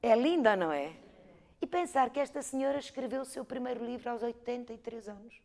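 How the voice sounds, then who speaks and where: A Portuguese woman in her fifties from the Algarve, an expressive storyteller talking about her life and craft, with an Algarve accent. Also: on the high side, fairly quick, vocal fry. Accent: European Portuguese, Algarve. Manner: expressive storyteller, rhythmic lists. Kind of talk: reflective interview talk.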